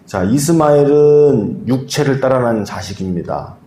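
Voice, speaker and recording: A man preaching a sermon, speaking conversationally and often asking his listeners questions. His voice is warm and mellow. It rings through a reverberant room with a faint hum of ambience behind it. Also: mid-range voice, animated, unhurried. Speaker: pastor.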